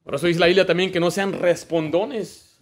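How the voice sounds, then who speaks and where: High-voiced fervent preaching man. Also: fairly even intonation, a little fast. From United States. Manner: fervent preaching with personal work anecdotes. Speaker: pastor. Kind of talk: sermon.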